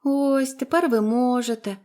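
A bubbly, talkative little orphan girl who gushes eagerly, pitched well above an ordinary grown-up voice, as a woman reads her aloud. She is from a storybook. Her voice is high and bright, bouncing along with delight. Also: steady tone, measured pace. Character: cheerful chatty young orphan girl.

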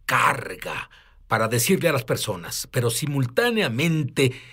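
A man's voice: mid-range voice, sing-song, unhurried, pushed and bright, slight background noise. A male host in a dubbed interview, speaking insistently and urging viewers to respond, recorded as a studio voice-over. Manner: insistent, exhorting. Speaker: show host.

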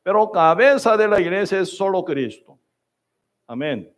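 A man preaching a sermon in short, emphatic phrases, often checking with the congregation with quick questions. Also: high-pitched, animated. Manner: keeps asking the congregation "¿verdad?" and "¿sí o no?".

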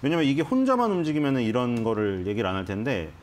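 A man's voice: mid-range voice, lively intonation, fast talker, a little mellow. A man explaining stocks on a financial TV program, talking in a conversational, explanatory way with frequent restarts. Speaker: stock analyst guest. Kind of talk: conversational market commentary. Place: TV studio.

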